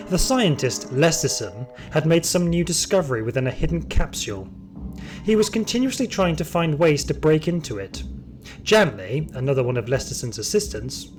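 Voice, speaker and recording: A man playing a sadistic, power-hungry security guard, narrating his story in an audio drama with deliberate menace. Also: mid-range voice, lightly acted. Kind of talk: scripted first-person audio drama monologue. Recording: music behind the voice.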